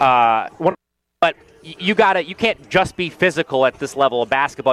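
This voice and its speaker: A man with an American accent talks at a fairly quick pace in a plain, everyday voice, pitched fairly high. His pitch varies in an ordinary way, and the sound is dry and close with no echo. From US Midwest, Kansas. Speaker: sports radio host. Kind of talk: radio sports interview.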